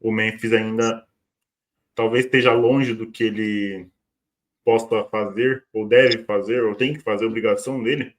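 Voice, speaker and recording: A man's voice: on the low side, steady tone, normal speed. A man giving his frank, repetitive opinions in casual pre-match football talk. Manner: opinionated, repeats himself. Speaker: fan channel pundit.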